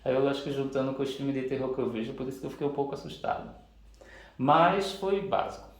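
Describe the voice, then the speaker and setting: A man's voice: medium pitch, quick pace. A man vlogging casually from his living room in loose run-on sentences, often tagging on a "right?", recorded in an echoey room at home. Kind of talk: casual spiritual vlog.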